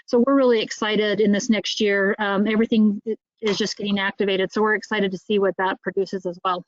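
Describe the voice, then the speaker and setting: A woman's voice: medium pitch, little pitch movement, brisk, dry recording, lo-fi sound. A woman giving a state agency update on a virtual meeting, upbeat, with filler ums.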